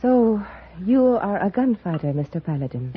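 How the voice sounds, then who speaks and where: An actress playing an earnest, pleading Native American rancher's wife in a 1950s radio western, with a breathy voice. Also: female voice, mid-range voice, very animated, moderate pace, a little hiss or hum, lightly acted. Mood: polite, wary. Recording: dull old-time radio recording.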